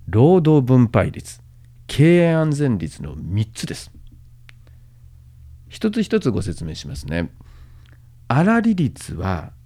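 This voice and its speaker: A man giving a relaxed podcast lecture, his pitch leaping up and down all the time. His voice is dark and mellow. He fills his talk with little fillers and tag endings, and he speaks straight to his listeners to keep them going. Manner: casual, with many fillers and sentence-final tags. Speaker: host and medical management lecturer.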